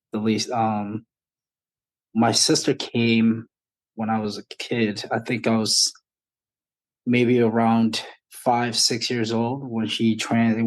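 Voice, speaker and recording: Slow, flat-voiced man in his thirties from Ethiopia. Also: lowish voice, low-quality recording. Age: 30s. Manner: unhurried, thoughtful, restarts often. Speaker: podcast guest. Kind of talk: casual interview.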